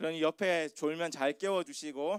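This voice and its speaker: A man's voice in a dry, close sound with no echo, on a very clean recording with a silent background. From rural Korea. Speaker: pastor. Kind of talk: sermon. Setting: church.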